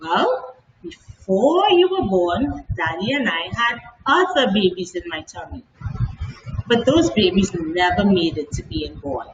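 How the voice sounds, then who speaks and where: A woman voicing a gentle, loving young mother who explains things soothingly and patiently in a children's storybook. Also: medium pitch, very animated, unhurried, lo-fi sound. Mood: tender, wistful. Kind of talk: children's storybook read aloud. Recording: echoey room, distant mic, slight noise.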